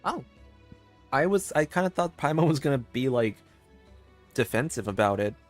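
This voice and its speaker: A man's voice: medium pitch, lively intonation, normal speed. A man giving casual, rambling live commentary as a game streamer, hesitant and often repeating phrases. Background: game music.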